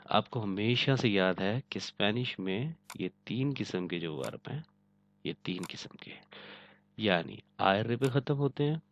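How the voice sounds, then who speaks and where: A man's voice: mid-range voice, no room sound. A man teaching a language lesson, patiently checking that his students follow. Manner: patient, repeats "ठीक है ना" to check understanding. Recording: dull lo-fi, dry close sound.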